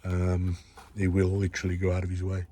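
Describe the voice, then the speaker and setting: A man's voice: deep voice, completely flat delivery, fairly quick, warm tone, a little hiss or hum. A man with a Black Country accent giving a casual, rambling video tour as a hobbyist vlogger, chatty and matey. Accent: Black Country English. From Black Country, England. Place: warm grow tent in a shed.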